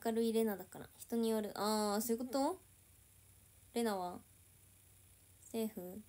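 A woman's voice: a little high, a little slow, warm tone. A young woman idol chatting casually on a livestream, reading and answering viewer comments.

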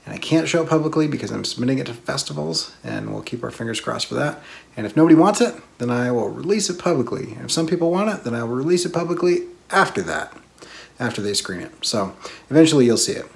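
Chatty man with a gravelly voice. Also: on the high side. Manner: relaxed, chatty, with fillers. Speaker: animator and vlog host. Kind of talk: casual vlog talk. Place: home art studio, indoors.

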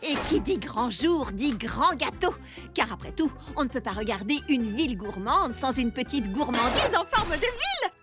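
Young cartoon girl, very high voice, wildly animated, earnest, energetic, music behind. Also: moderate pace. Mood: cheerful.

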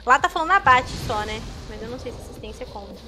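A young Brazilian woman chatting casually with viewers while streaming a game, with excitable outbursts. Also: fairly high pitch, fast, over loud music. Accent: Brazilian Portuguese. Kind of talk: casual gameplay commentary.

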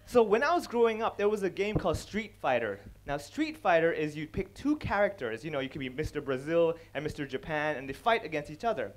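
A young man from Hong Kong doing stand-up comedy on a large stage, speaking into a headset mic and acting out characters with quick voice changes. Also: fairly high pitch, sing-song. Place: large dark stage before a live audience.

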